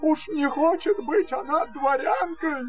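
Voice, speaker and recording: Fairy-tale drama: meek old man, extremely high quavery pleading, slow, faint music underneath. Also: a little mellow. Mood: tearful, pleading. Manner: whining, tearful, pleading. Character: meek, henpecked old fisherman, plaintive and pleading.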